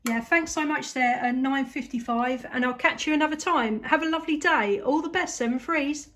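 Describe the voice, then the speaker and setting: A woman's voice: sits high, moderate pace, noisy background. A woman with a southern English accent, chatting casually and appreciatively as an amateur radio operator. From southeast England. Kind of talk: casual radio contact chat.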